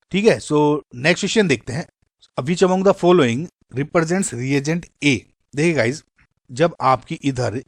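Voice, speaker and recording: A male chemistry teacher with an Indian accent works through exam questions in a relaxed, talk-to-the-viewer manner. His voice sits a little high for a man. It is recorded close to the mic in a dry space with no room echo. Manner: conversational, mixes English terms, addresses "guys".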